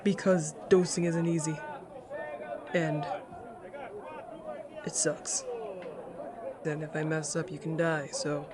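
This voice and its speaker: A woman's voice: deep voice, flat delivery, slow pace, pauses often, crowd noise. A woman voicing a blunt, laid-back young embassy guard with a casual, slangy way of talking in an audio drama. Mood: matter-of-fact.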